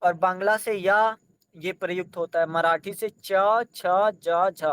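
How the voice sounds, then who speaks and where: Male exam-prep teacher, high and smooth voice, dry close sound, sounds out each letter slowly. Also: fairly even intonation, fairly bright tone, dry recording. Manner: addresses students directly, coaxing them to try.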